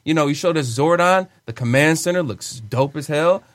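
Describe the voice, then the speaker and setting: A man co-hosting a podcast, talking in an animated, slangy way as a fan. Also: a little high, normal speed, no room sound. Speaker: podcast co-host. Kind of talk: casual chat.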